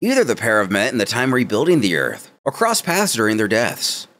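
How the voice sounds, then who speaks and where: A man's voice: on the low side, wildly swooping pitch, fairly quick, a bit bright. A man narrating a story retelling in a playful way with wry asides. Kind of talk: comic story recap narration. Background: faint background music.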